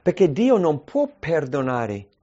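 A man's voice: fairly high pitch, huge pitch swings, takes it slowly, mellow, highs cut off. A man preaching a sermon with emphasis, using many rhetorical questions.

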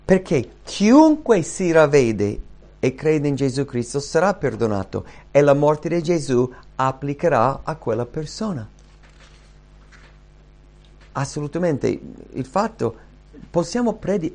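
A man's voice: on the high side, darkish tone. Earnest man preaching a sermon. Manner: earnest, explanatory, rising emphasis on key phrases. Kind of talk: sermon teaching.

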